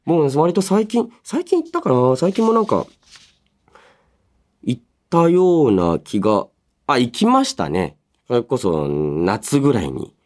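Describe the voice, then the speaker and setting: Man in his thirties, radio personality, highly animated pitch, casual chat, talkative, reactive. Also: a little slow. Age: 30s. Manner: animated, chatty, interjects own reactions while reading. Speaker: radio show host.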